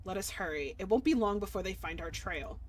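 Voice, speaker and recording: A woman's voice: mid-range voice, brisk, close to an everyday voice. Scornful fantasy god, read by a woman, curt, impatient, dismissive, mid-range voice. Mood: stern. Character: cold, impatient, scornful male god rescuer. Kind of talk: reading visual novel dialogue aloud.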